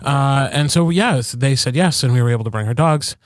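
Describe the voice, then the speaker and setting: A man's voice: mid-range voice, a little fast, dry recording, clean studio sound. Slightly stuffed-up man chatting on a podcast. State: slightly congested from a cold. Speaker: podcast co-host. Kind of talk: casual podcast chat.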